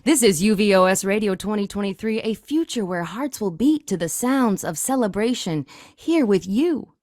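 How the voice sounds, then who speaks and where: A woman's voice: mid-range voice, lively intonation, moderate pace, a little mellow, no echo, studio quality, voice pushed up, natural voice. A woman playing a brash, upbeat radio DJ with slangy on-air patter. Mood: hyped. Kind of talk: comic radio DJ bit.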